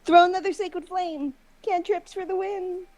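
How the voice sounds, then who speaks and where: High-voiced playful woman gamer. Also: fairly even intonation, normal speed, darkish tone. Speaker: player in an online tabletop game. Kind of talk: casual game chat.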